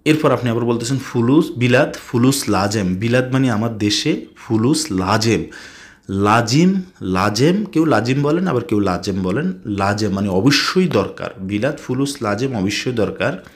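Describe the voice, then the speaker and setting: Bangladeshi man, language teacher, slow and repetitive, mid-range voice. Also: mid-range voice, expressive. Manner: repeats words slowly, mixes in English phrases. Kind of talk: spoken language lesson.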